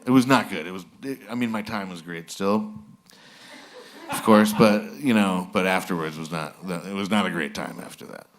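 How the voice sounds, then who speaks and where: Low-voiced man hosting, dry jokes. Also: moderate pace. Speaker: host. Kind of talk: casual live interview.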